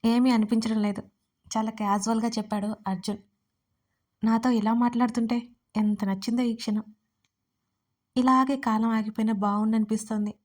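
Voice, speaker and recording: Woman, storybook narrator, higher voice, little rise and fall, reads the dialogue too. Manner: even-toned reading, voicing both lovers' lines herself. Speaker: writer and narrator.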